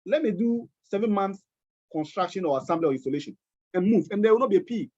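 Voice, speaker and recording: A man's voice: high-pitched, expressive, fast talker, a little mellow, no echo. A man giving a webinar lecture, emphatic and often repeating or restarting his words. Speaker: webinar presenter on tax treaties. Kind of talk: lecture-style webinar talk. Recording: dull, lo-fi webinar audio.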